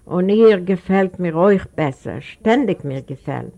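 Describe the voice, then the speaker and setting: A woman's voice: lowish voice, expressive, unhurried, creaky, mellow, dull audio. A woman voicing a broken old man who pleads earnestly. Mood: alarmed.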